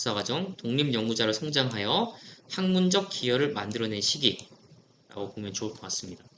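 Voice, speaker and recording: With audible room echo around him, a man at medium pitch makes very wide pitch swings and big swings in loudness. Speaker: academic educator / YouTube lecturer. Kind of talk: lecture with slides. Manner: fast; frequent filler hesitations.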